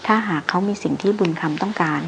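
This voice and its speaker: A woman reading the lines of a seasoned male hunter who speaks in a calm, level-headed and skeptical way. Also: mid-range voice, fast, gravelly, background noise, close to an everyday voice.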